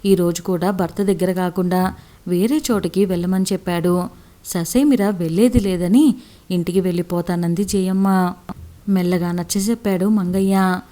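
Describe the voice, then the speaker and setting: Low mellow woman storyteller. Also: fairly even intonation, moderate pace. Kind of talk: scripted story narration.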